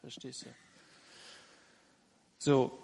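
A man's voice: extremely slow, darkish tone, in a large hall. A man preaching an evangelistic sermon, earnest and inviting, talking straight to his listeners.

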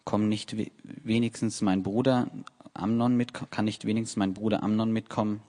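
A man's voice: on the low side, fairly even intonation, normal speed, mellow, lightly acted. A cool, commanding young prince, read by a man. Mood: firm. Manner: firm, commanding.

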